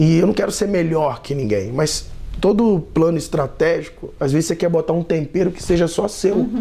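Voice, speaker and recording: Here a man speaks at a moderate pace with a high pitch, a dark, mellow tone and ordinary pitch variation. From Espírito Santo, Brazil. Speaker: advertising and marketing professional; interview guest. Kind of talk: interview. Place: home room.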